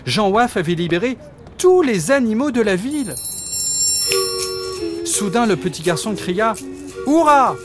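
Playful high-voiced male storyteller. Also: unhurried, long pauses. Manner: playful, expressive. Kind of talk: children's storybook narration. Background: music.

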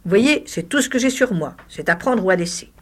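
A woman reading a short story, voicing a calm, severe male lawyer who speaks curtly. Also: medium pitch, brisk, voice pushed up, natural voice. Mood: stern. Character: cool, stern middle-aged male lawyer.

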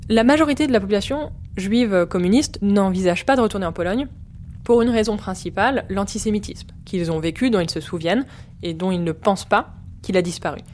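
A woman historian explaining her research in a measured way, with frequent hesitations. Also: mid-range voice, darkish tone, slight background noise. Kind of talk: explanatory interview.

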